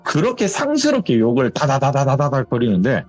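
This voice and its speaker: A man's voice: mid-range voice, wildly swooping pitch, brisk, faint music behind. A man narrating a listener's ghost story in a conversational way, acting out the voices. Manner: conversational, dramatic asides, acts out voices. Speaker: horror radio storyteller. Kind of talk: told horror story narration.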